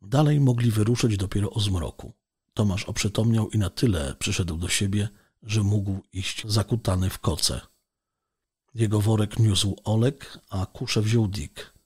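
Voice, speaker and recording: Lektor audiobooka o głębokim, zachrypniętym głosie. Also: male voice, on the low side, a little slow, a little mellow, breathy edge. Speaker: audiobook narrator. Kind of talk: scripted narration of a novel.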